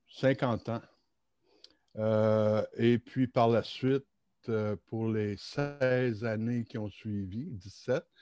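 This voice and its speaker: With a Quebec accent, a man speaks very slowly at a medium pitch, with fairly even intonation and long, frequent pauses. The dark, mellow tone comes through as a dry, close sound with no echo over a quiet background. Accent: Québécois French. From Quebec (Shawinigan), Canada. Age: 60s. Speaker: interviewee sharing life story. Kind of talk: testimony. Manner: halting, frequent hesitations.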